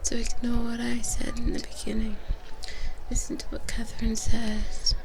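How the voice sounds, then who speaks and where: A woman playing a gentle vampire sister in an ASMR roleplay, reassuring in a breathy whisper close to the microphone. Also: a little high, completely flat delivery, music in the background, close to an everyday voice, rough recording. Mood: reassuring, earnest. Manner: soothing, reassuring, slow and deliberate. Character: gentle female vampire twins soothing a young fledgling. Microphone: close microphone for headphone listening.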